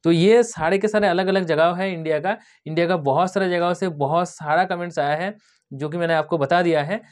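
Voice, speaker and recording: A man's voice: high voice, fairly even intonation, a little fast. A man from India hosting a tech channel, casually going through viewer comments, spelling out place names letter by letter and often repeating "okay".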